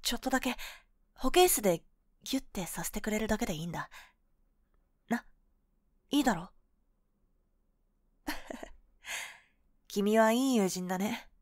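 A woman voicing a cool, boyish young woman, a possessive and sweetly manipulative lover, in an ASMR role-play of intimate pillow talk, soft, breathy and coaxing, close to the microphone. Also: mid-range voice, a little slow, pauses often, no echo, close to an everyday voice. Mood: coaxing, confiding. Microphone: close microphone, dry.

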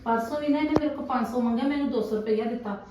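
A woman's voice: a little high, noisy background, lightly acted. A woman playing a grumbling mother. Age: middle-aged. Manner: rapid, grumbling, complaining. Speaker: mother of a grown son and daughter. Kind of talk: web drama acting. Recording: echoey room, far from the mic.

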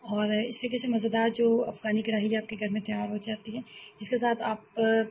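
Flat, mellow-voiced woman cooking host. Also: on the high side, normal speed, gravelly, a little hiss or hum, rough recording. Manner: steady, explanatory, repeats steps. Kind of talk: recipe voice-over tutorial.

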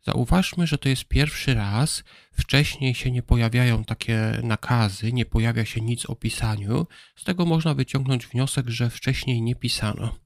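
A man presenting a Bible history program, giving calm, scripted explanations and spelling out letters slowly. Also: mid-range voice, vocal fry, no room sound, studio quality. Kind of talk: scripted educational narration.

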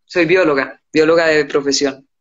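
Calm older woman, dull audio. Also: deep voice, normal speed, a crowd in the background. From born in the United States, raised in Colombia. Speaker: guest. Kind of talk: casual live-stream chat. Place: indoor room at home.

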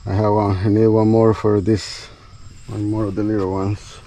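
Working outdoors at a building site, a bushcraft video host talks casually to viewers, thinking aloud in short, trailing phrases. His fairly low, dark voice has little pitch movement and a moderate pace, captured in a low-quality recording.

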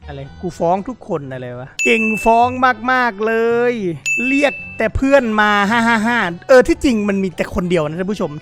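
Man, game commentary, excitable, reads chat aloud, music in the background. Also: high voice, normal speed, hardly any pauses. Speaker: gaming YouTuber.

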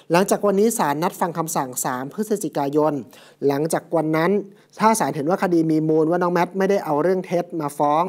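A man hosting a morning news show, reading out a story and quoting people in a steady news delivery. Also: on the high side. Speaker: news program host.

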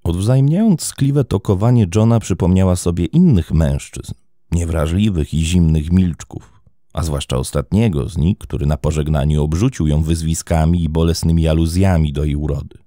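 A man's voice: sits low, normal speed, no echo, clean studio sound. A man narrating a true crime story in a scripted, theatrical storytelling style. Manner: expressive, theatrical storytelling delivery.

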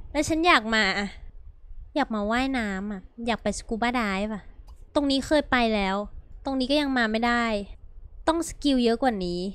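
A woman hosting a casual gameplay video, chatty and playful, talking straight to her viewers with quick exclamations. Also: sits high, fairly bright tone, clean tone, no echo. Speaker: gaming video host. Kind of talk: casual let's-play commentary.

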